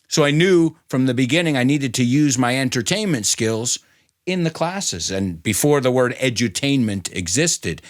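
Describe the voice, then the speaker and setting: A man's voice: medium pitch, normal speed, no echo. Chatty middle-aged American man, dry sound. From United States. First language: bilingual English and Spanish. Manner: animated, chatty, laughs often, many fillers. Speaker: ESL educator and podcast host, guest. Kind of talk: casual interview talk.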